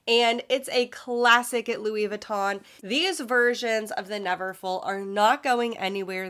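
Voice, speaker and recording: A woman's voice: medium pitch, bright, forceful tone. A woman presenting a luxury fashion vlog in a polished, informative, friendly way, sounding nasal from a cold.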